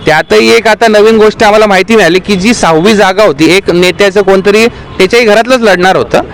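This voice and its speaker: Aggrieved man speaking outdoors, high voice. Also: a little fast, slight background noise, poor audio. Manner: aggrieved, earnest, appealing to party workers. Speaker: local party official. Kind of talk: impassioned statement to the press.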